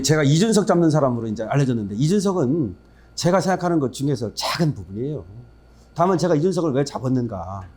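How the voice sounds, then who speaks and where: A man delivers a political speech at a forum in a high voice that leaps up and down with feeling. He talks bluntly, tosses in scornful asides, and keeps throwing rhetorical questions at the listeners. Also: warm tone. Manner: emphatic, rhetorical questions to the audience. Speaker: forum speaker.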